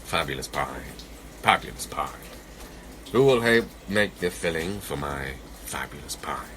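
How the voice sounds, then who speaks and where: A man voicing a sly, very bad bear baker from a children's storybook, calling out in a drawn-out sing-song. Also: a little high, sing-song, bright, forceful tone, a little hiss or hum, pitched above the performer's own voice, exaggerated voice. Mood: sly, low.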